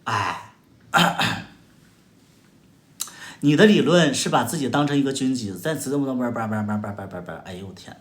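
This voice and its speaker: A man's voice: mid-range voice, animated, moderate pace, long pauses. Northeastern mandarin guy ranting on his livestream, sarcastic and mocking, voice bouncing all over, echoey room. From Heilongjiang, China. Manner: sarcastic, combative, mocking retorts with exaggerated exclamations. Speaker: livestream host. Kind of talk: casual livestream chat answering viewer comments.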